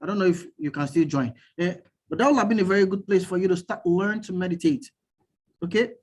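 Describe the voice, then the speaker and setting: Calm, husky guest speaker. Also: mid-range voice. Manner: calm, measured, repeats words when starting a thought. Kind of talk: teaching talk.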